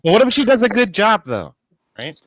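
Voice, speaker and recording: A man chatting on a late-night video call panel, laughing often and animated. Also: sits high, a little fast, no room sound, studio quality. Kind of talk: casual late-night chat.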